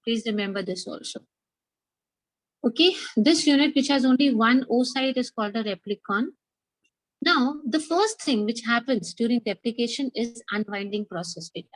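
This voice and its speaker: A woman's voice: on the high side, moderate pace, dry recording, low-quality recording. A woman with a South Asian accent teaching a biology class, repeating key points and prompting students with questions. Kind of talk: interactive lecture with questions to students.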